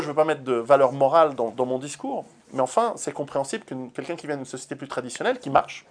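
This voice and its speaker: A man, an author, answering interview questions in an earnest, forthright way, with many fillers and repeated words. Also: mid-range voice.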